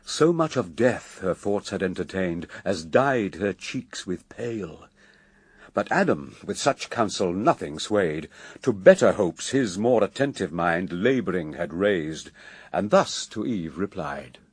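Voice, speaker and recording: A man with a husky voice narrating a verse radio drama in a solemn, measured way. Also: low voice, animated, no room sound, heavily acted. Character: solemn epic poet narrator.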